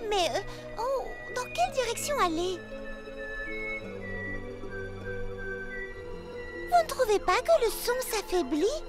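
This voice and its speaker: Very high-pitched, earnest cartoon girl. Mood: determined. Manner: earnest, expressive. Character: sweet conscientious little girl princess, easily overwhelmed. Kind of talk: French cartoon dub acting. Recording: music bed behind the voice.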